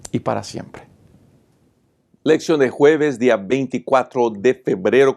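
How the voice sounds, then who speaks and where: A man's voice: medium pitch, vocal fry, mellow. A man, a pastor, teaching a Bible lesson and speaking directly to viewers through personal stories. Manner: confessional, direct address to viewers.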